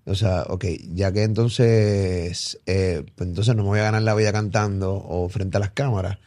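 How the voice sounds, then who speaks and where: A man's voice: low voice, steady tone, moderate pace, mellow. A man from Puerto Rico with a Puerto Rican Spanish accent, hosting a casual interview in a talkative way with frequent exclamations. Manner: talkative, many fillers and restarts, exclamations. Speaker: radio and online show host.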